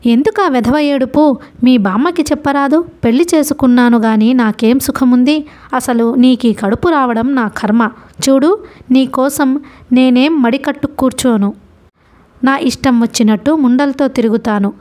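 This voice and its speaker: A woman's voice: high-pitched, moderate pace, darkish tone, close to an everyday voice. A woman voicing an angry, sulking young husband who snaps in scolding outbursts, in a storybook reading. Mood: irritated.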